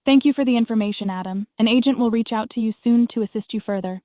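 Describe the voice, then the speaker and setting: A synthetic woman's voice answering calls as a receptionist, polite, even and formulaic. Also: fairly high pitch, fast, dry recording. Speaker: AI phone receptionist. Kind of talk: scripted phone answering. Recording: dry tinny phone line.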